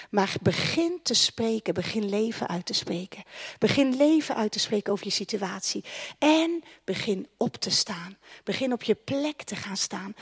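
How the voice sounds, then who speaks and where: A woman's voice: a little high, slightly rough. A woman preaching a sermon to a congregation, impassioned, with repeated declarations and commands. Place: church hall with congregation.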